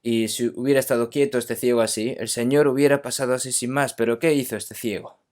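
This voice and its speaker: A man's voice: medium pitch, fairly even intonation, fast, darkish tone. A man from Korea preaching a sermon emphatically, often checking in with his listeners.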